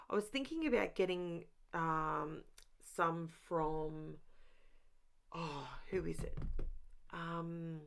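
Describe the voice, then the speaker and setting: A woman's voice: lowish voice, vocal fry, a bit bright. A middle-aged woman, chatting through a craft voiceover, rambling and talking straight to her viewers. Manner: rambling and self-aware, talks straight to viewers. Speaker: crafting channel host. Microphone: voiceover mic.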